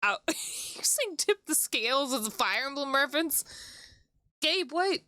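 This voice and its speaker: A woman's voice: high-pitched, animated, unhurried, no room sound, studio quality. A tired woman streaming a game, chatting casually in a rambling, self-deprecating way. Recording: loud music behind. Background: music.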